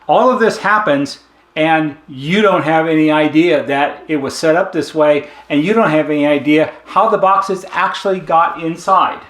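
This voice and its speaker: A man with a voice a little higher than most talks through an explanation casually. He is plain-spoken and conversational, going step by step like a working technician presenting. The sound is strongly echoey and roomy. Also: a bit bright. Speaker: intercom service technician and presenter. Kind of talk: casual explainer talk with a diagram.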